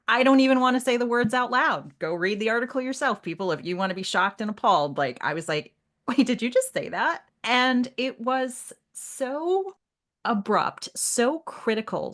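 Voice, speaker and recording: A woman hosting a literary discussion in a conversational, expressive and emphatic way, often acting out the remarks she quotes. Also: fairly high pitch. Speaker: podcast host.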